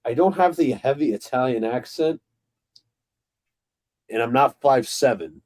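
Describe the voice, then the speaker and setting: Ny guy on a stream call, mid-pitched, laid back, lots of ums. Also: a little slow, a little mellow. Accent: New York. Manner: easygoing, storytelling, filler-heavy. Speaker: live stream co-host. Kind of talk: casual fan chat. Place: home, on a video call.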